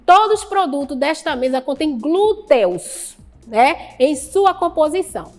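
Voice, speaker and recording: Brazilian woman teacher, high voice, patient, quizzes and praises students, faint music behind. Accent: Brazilian Portuguese. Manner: patient, asks the class questions and praises answers. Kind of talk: recorded online Portuguese lesson.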